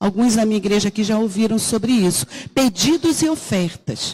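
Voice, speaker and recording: A woman with a plain, everyday voice, fairly high in pitch, with lively intonation. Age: 60s. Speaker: preacher. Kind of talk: sermon.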